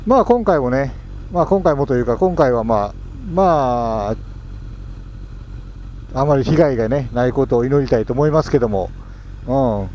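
A man's voice: medium pitch, animated, moderate pace, long pauses. A middle-aged man with a Kansai Japanese accent, chatting casually and informally to viewers from inside a motorcycle helmet as he rides. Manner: talks to viewers in loose, informal dialect. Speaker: motorcycle vlogger. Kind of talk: casual rambling chat while riding. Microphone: mic inside a motorcycle helmet. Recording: muffled helmet mic with loud riding noise.

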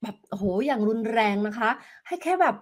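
A woman health coach giving a live demonstration lesson, explaining step by step in a gentle way and answering viewer questions, with tuning fork tones sounding behind her. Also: a little high, animated, fairly quick. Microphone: desk microphone.

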